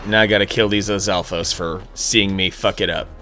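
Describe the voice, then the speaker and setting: A man's voice: deep voice, fairly even intonation, normal speed, sharp tone. A man giving playful, sarcastic live commentary while streaming a video game, joking and swearing casually, over faint game music.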